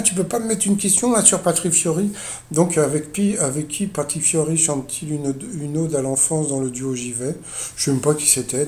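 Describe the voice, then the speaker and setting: A man's voice: medium pitch, mellow, echoey room. A man casually recapping a TV quiz show, rambling with lots of fillers and restarts and chatty asides.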